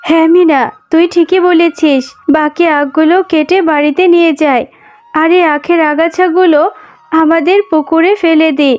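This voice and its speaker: A woman voicing a gentle, anxious mother fox who sells sugarcane, in a plaintive, motherly cartoon manner. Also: very high-pitched, fairly even intonation, moderate pace. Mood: resigned, gentle. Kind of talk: Bengali cartoon voice acting. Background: music.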